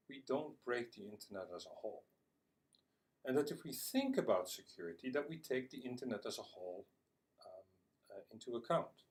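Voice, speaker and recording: A man speaks from some way off the microphone in a mid-range voice. He explains things like a conference speaker, phrasing deliberately and haltingly, sometimes repeating words as he goes. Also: mid-range voice, darkish tone. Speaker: conference speaker on internet security. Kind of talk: explanatory presentation to an audience. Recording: distant microphone.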